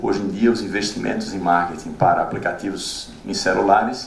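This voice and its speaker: A man with a southern Brazilian accent talks at a moderate pace amid audible room echo and noticeable background noise. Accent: gaúcho (southern Brazil). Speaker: tech investment executive. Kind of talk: conference presentation.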